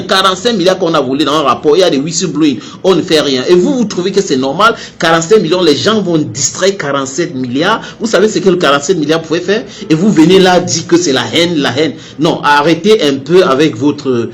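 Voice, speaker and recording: Brief: man from Cameroon, fiery online commentator, somewhat high voice, heated, repeats and stammers. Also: fairly quick, few pauses, fairly bright tone. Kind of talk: impassioned direct-to-camera rant.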